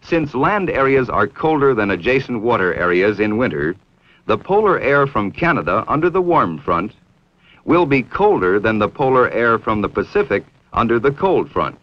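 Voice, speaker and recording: An American man reading scripted 1960s training film narration in a formal, measured, authoritative manner. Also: medium pitch, big pitch swings. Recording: dull, aged 1960s film soundtrack.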